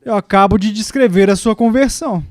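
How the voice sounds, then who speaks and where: Guy dubbing a sermon, high voice, dry close sound, slow emphatic repeats. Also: a little mellow, no echo. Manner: emphatic, with deliberate pauses and repetition. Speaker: preacher's voice in a dub. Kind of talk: dubbed sermon.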